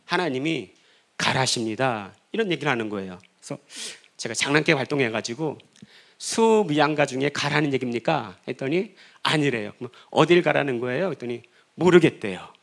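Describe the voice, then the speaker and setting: A man's voice: medium pitch, vocal fry, a bit bright. A middle-aged man, a pastor, preaching a sermon and telling his own story with rhetorical questions and acted-out dialogue. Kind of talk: sermon testimony. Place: church sanctuary.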